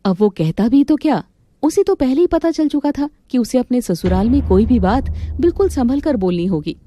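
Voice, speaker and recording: A woman's voice: on the high side, animated, normal speed, warm tone, a little hiss or hum. Woman narrating a cartoon story.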